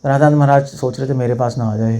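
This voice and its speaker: Mellow-voiced man giving a Hindi sermon. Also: medium pitch, steady tone, fast. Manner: mixes English words into Hindi, acts out quoted people. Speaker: monk and spiritual teacher.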